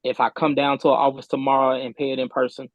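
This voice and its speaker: A man's voice: medium pitch, flat delivery, quick pace, no echo. A man speaking as a defendant in a remote court hearing over buzzy, glitchy call audio, stammering and repeating words as he presses his point. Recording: dull, dry call line.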